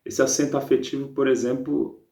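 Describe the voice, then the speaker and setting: A male teacher works through a book review lesson, explaining calmly and reading passages aloud. His voice sits at a middle pitch, and he bridges pauses with a drawn-out filler. The recording has a noticeable roomy echo.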